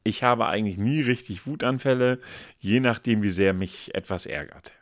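A man's voice: lowish voice, normal speed, no echo, studio quality. A man co-hosting a casual podcast, reading quiz questions and answer options aloud in a playful way. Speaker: podcast co-host.

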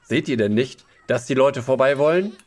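Gruff, bullying medieval town constable played by a man. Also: mid-range voice, animated, normal speed, darkish tone, lightly acted. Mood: gruff, bossy. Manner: coarse, threatening, insulting. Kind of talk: German audio drama acting.

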